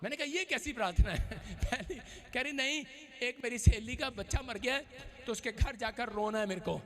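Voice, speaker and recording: A man preaching a Hindi-language Pentecostal sermon in a church, telling stories and shouting commands against evil spirits. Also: very high-pitched, moderate pace. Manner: animated, storytelling, shouts deliverance commands. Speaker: pastor. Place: church hall.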